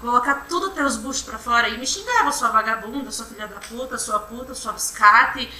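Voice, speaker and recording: A young woman giving courtroom testimony, retelling events in a halting, repetitive way. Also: fairly high pitch, pushed and bright. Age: young adult. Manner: halting, repetitive retelling, often restarting with "then". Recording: roomy courtroom from far off, faint hum.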